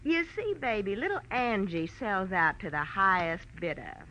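A woman's voice: medium pitch, animated, moderate pace, sharp tone. An actress playing a brassy, mercenary young gangster's girl in a 1940s radio crime drama, slangy and taunting. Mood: cool, taunting. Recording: noisy vintage radio recording.

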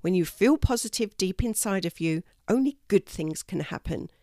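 A gentle, encouraging young animal hero, played by a woman reading aloud. He talks softly and kindly, in a lively storybook way, close to the mic and dry. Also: medium pitch, normal speed, no echo. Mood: reassuring. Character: kind, calm, reassuring young male animal.

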